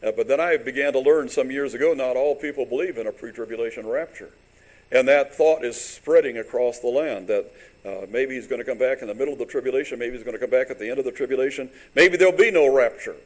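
A man preaching in a church with a rough voice and a mid-range pitch. He often halts, fills gaps with "uh" and restarts his sentences. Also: rough recording. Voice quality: halting, with many fillers and restarts. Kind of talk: sermon. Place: church sanctuary.

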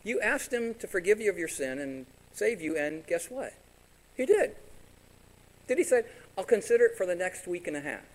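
A man preaching a sermon as pastor, animated and direct, sometimes voicing imagined congregants. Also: high voice, normal speed, low-quality recording.

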